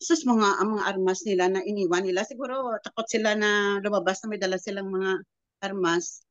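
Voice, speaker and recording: A woman in her seventies sharing a personal testimony with a prayer group. She tells it in a halting, rambling way and acts out the quoted dialogue. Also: medium pitch, fairly even intonation, dry recording, highs cut off. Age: 70s. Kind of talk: personal testimony, casual storytelling.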